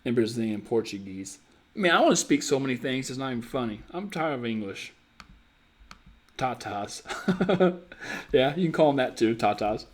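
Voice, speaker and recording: A man hosts a casual live stream, answering viewer comments as a dating coach. He teases, jokes and speaks in loose slang straight to his audience. His voice sits in an ordinary middle pitch, picked up by a computer mic. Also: lively intonation, moderate pace, long pauses. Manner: playful, teasing, addresses viewers directly with slang.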